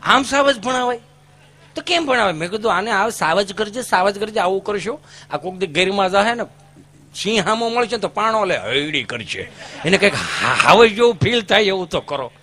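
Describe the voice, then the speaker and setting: Bright high-voiced rustic Saurashtra comic. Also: male voice, big pitch swings, fairly quick. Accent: Saurashtra Gujarati. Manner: rustic storytelling, acts out other voices. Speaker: comedian. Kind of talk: Gujarati folk comedy monologue.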